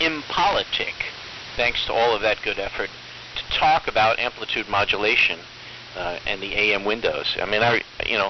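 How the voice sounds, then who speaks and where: A man with a New York accent at a moderate pace, against noticeable background noise. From US Northeast (Long Island, New York). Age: 60s. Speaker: amateur radio operator. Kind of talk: casual chat. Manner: halting, many fillers.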